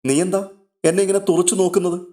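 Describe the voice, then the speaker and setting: A man's voice: high-pitched, little pitch movement, quick pace, warm tone, pitched above the performer's own voice, lightly acted. Spoken novel: a defensive, evasive young woman, read by a male narrator.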